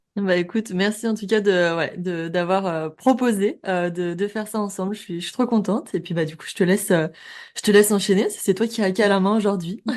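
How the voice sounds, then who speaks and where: Against a quiet background, a woman of medium pitch speaks at a fairly quick pace with fairly even intonation and big swings in loudness. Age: 20s. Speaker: podcast host. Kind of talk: interview testimony. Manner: hesitant, many fillers.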